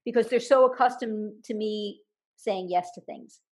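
A woman's voice: mid-range voice, normal speed. A woman author, a guest on an interview show, telling anecdotes with laughter and repeating words as she thinks aloud. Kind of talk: storytelling interview talk.

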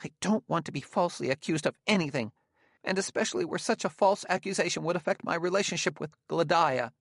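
A male narrator acts out a fretful, aggrieved spacer in a science fiction story. The voice sits well above his natural pitch and jumps around with flustered, defensive pleading. It is recorded very dry and close. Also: big pitch swings, moderate pace, dry recording. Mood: anxious, defensive. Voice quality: squeaky when agitated. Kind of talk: audiobook character dialogue.

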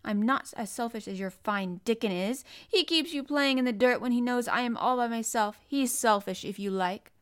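A woman's voice: mid-range voice, moderate pace, few pauses, a bit bright, lightly acted. A woman voicing a sickly young boy who is sulky, self-pitying and imperious, in a storybook reading. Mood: defiant, angry. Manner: petulant, indignant, commanding.

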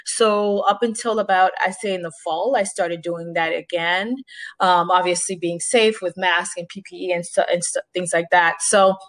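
A woman's voice: fairly low pitch, steady tone, normal speed, a bit bright. Reflective woman from Haiti, raised in Boston. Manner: reflective, many restarts and fillers. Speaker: interview guest, former broadcaster and makeup artist. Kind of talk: conversational interview.

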